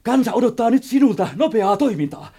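A man's voice: very high voice, mellow, breathy edge. An actor playing an eager, agitated male messenger in a radio drama, talking urgently. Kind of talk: 1960s radio drama acting.

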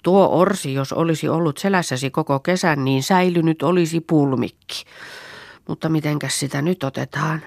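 A woman voicing an excitable young farm girl in a storybook, exclaiming in astonishment. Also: sits low, vocal fry, no echo, studio quality, voice pushed up. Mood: astonished.

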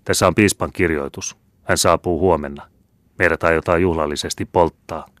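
A man's voice: deep voice, steady tone, a bit bright, no room sound. A man voicing a bold, resolute young soldier in a storybook reading. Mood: urgent.

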